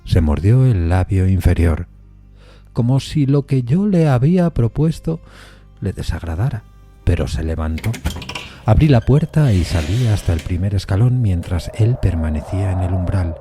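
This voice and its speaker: A man's voice: low-pitched, lively intonation, moderate pace, warm tone, husky, soft background music. A man narrating a scripted story in the first person, in a dramatic audio fiction style.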